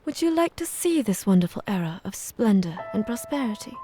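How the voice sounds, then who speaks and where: A woman playing a pale, eerie, courteous maid in an audio drama, with formal, archaic, measured speech. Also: medium pitch, very animated, lightly acted. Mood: courteous, inviting. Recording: music behind the voice.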